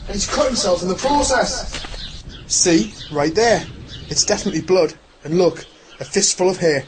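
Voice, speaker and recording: An actor playing an awestruck but self-assured male researcher in an audio drama, speaking in dramatic, halting phrases. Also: high voice, background noise, lightly acted. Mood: tense discovery.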